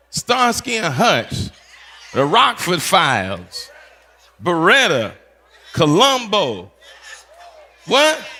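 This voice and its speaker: A pastor in his fifties, talking in a playful, animated way and teasing his audience with quick call-outs. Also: sits high. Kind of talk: playful teaching session talk.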